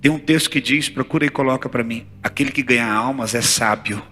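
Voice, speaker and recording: A man with a Brazilian Portuguese accent preaching a sermon in a church, moving from hushed storytelling to loud, fervent exhortation. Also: medium pitch, a little fast. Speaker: pastor. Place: church sanctuary. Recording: church hall with long reverb and faint music.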